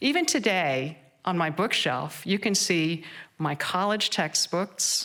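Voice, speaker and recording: Here is a woman at a medium pitch with an unremarkable speaking voice. Her pitch variation is ordinary. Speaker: storyteller. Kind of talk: live storytelling performance.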